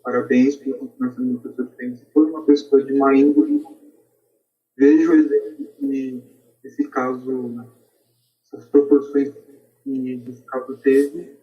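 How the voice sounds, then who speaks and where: A Brazilian man speaking as a podcast guest over a video call, giving closing remarks in halting, deliberate phrases. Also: mid-range voice, flat delivery, faint music behind. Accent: Brazilian Portuguese. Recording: dull lo-fi video call audio.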